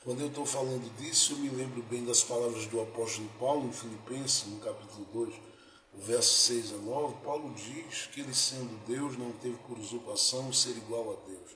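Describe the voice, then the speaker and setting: A male pastor preaching a sermon, moving between soft lines and loud, dramatic ones. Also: medium pitch, normal speed, slight background noise. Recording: echoey room with faint ambience.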